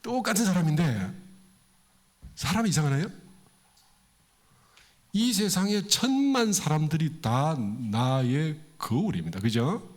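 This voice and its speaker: A man's voice: lively intonation, unhurried, long pauses. A man preaching a sermon to a congregation in a temple hall, in a conversational way, asking his listeners questions and acting out the voices he quotes. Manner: acts out quoted voices with big pitch swings. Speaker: pastor.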